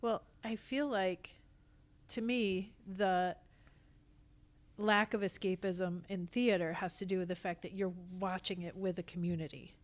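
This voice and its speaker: A woman's voice: on the low side, fairly even intonation, measured pace. A woman speaking as a podcast guest in casual, reflective conversation, with an earnest, emphatic way of talking. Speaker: podcast guest, theatre actor and company founder.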